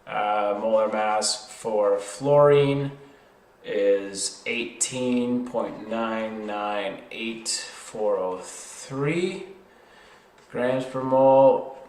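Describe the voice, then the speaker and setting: A man's voice: fairly low pitch, very slow, a little mellow, a little hiss or hum. A man tutoring in an informal way, working through a problem step by step and thinking aloud. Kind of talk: worked chemistry problem lesson, explained step by step. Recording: roomy, echoey sound.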